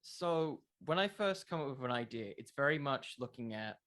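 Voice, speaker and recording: A man with a mid-pitched voice answers questions as an interview guest. He is a podcaster and speaks in a loose, conversational way. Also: expressive, normal speed, fairly bright tone. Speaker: podcast creator being interviewed. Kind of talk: casual interview chat.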